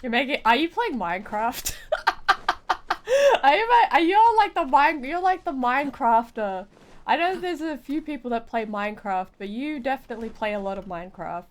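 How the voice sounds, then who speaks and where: A woman's voice: sits high, lively intonation, normal speed. A woman chatting casually on a gaming livestream, playful and often repeating her phrases. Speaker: game streamer.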